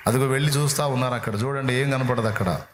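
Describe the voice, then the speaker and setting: A man's voice: mid-range voice, fast, slight background noise. A male pastor preaching a sermon in a dramatic storytelling manner, acting out dialogue. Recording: roomy echo. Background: faint music.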